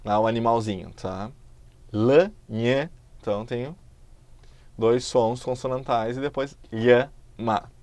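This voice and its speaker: A man with a Brazilian Portuguese accent teaching a recorded lesson, explaining patiently and stretching example words out slowly. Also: mid-range voice, steady tone, a little mellow, no echo.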